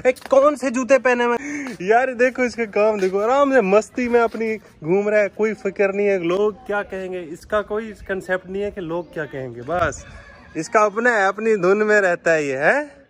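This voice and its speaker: High-voiced man teasing kids outdoors. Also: normal speed. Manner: playful, teasing, coaxing. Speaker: vlogger. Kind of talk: casual vlog with children. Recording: noisy outdoor camera audio.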